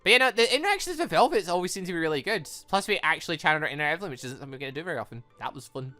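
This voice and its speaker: A gaming YouTuber giving excitable, rambling, giggly commentary on a visual novel, with game music behind. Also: medium pitch, rapid-fire. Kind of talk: gameplay commentary, reading visual novel dialogue aloud.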